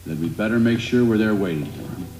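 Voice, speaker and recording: A man playing a dutiful, heroic space ranger toy in an animated film, speaking with an American accent in a commanding, earnest way. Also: lowish voice, fast, roomy sound, over music, close to an everyday voice. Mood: grave, disappointed.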